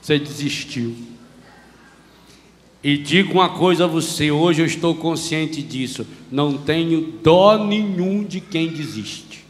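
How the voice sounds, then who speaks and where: A Brazilian priest with a Brazilian Portuguese accent preaches a lively, humorous sermon, acting out voices as he goes. His voice is on the high side and slow, echoing through a reverberant church hall.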